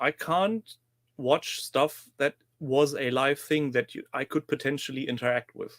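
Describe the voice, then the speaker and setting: A man with a slight German accent speaks at a fairly slow pace and a fairly high pitch. His pitch varies normally, and the sound is dry and close with no echo. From Germany. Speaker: hobby YouTuber. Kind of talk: casual chat. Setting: video call. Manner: halting.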